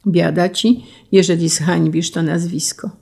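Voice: medium pitch, steady tone, a little slow, creaky, warm tone, breathy edge. A reader voicing a proud young count who gives up his name and estate, dignified and firm in an audiobook reading.

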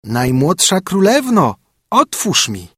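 A slow, coaxing female frog from a fairy tale, drawing out her words as she pleads and insists, as a man puts her on. The voice is husky and very animated, with wide swings in pitch. It sounds dry and close. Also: dry recording, heavily acted. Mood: insistent.

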